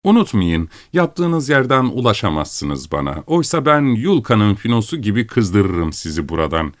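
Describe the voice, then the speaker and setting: A man's voice: on the low side, big pitch swings, measured pace, dry recording, studio quality. A man voicing a mocking, insolent dead young man in an audiobook, talking with a taunting sneer. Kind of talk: audiobook character reading.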